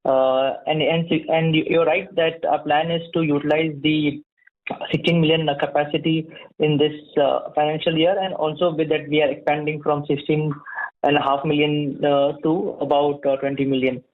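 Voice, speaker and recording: A muffled, narrow phone line carries a higher-pitched Indian man's voice. He speaks as a company executive answering investors, semi-formal and halting, with frequent repeated words. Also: level tone. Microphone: conference call line.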